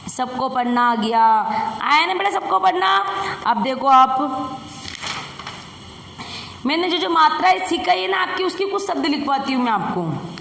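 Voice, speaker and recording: A high-voiced woman teaches small children to read, stretching each syllable and asking questions to draw out answers. Her voice has a gravelly edge. The room is echoey with a long reverb tail, and faint background noise sits under her. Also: lively intonation, fairly bright tone. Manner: drawn-out syllable-by-syllable reading, coaxing questions. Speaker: primary school Hindi teacher. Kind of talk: recorded classroom lesson.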